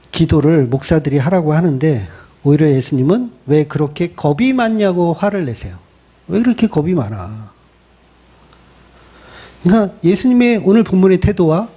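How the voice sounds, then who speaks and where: A male pastor preaching with an animated, colloquial delivery and dramatizing the lines he quotes. His voice sits fairly high and swoops widely in pitch. The tone is mellow rather than bright. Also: husky. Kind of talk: sermon.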